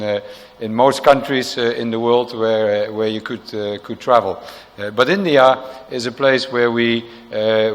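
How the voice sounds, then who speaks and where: A man's voice: medium pitch, long reverb tail. A middle-aged Dutch executive with a slight South African tinge to his accent, giving a press conference speech full of "uh" fillers and restarts. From Netherlands. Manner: hesitant, many uh fillers and restarts. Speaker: corporate marketing executive.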